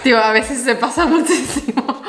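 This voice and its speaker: A woman's voice: high voice, moderate pace, echoey room, background noise. A young woman from Spain with a Spanish accent, hosting a reaction video in a chatty, giggly way. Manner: chatty, giggly, fillers like "en plan". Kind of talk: casual chat.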